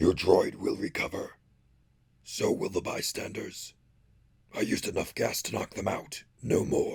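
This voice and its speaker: A man puts on a raspy character voice pitched extremely high, talking at a moderate pace with long, frequent pauses. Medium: read story. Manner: curt, commanding.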